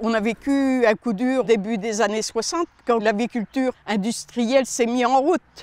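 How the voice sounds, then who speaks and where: Speaking at a fairly slow pace, a woman with a high pitch is heard in a dry, close sound with no echo. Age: 80s+. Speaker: retired poultry farmer. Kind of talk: casual documentary interview.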